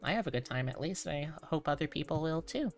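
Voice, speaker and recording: A VTuber host chats casually with her livestream viewers, playful and informal with cutesy wording, while music plays in the background. Her voice sits low and is expressive, and she talks a bit fast.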